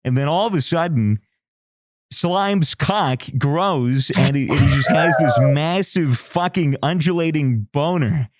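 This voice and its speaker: A man's voice: on the high side, unhurried, no room sound, clean studio sound. A man on a podcast telling a crude story in a casual, laughing way, full of restarts and swearing. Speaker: podcast co-host.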